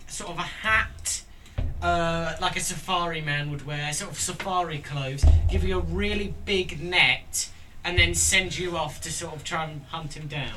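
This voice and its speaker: A man's voice: fairly high pitch, measured pace, recorded from a distance, noisy background. Joking British teen boy, off-mic. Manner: joking questions. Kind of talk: casual chat with friends.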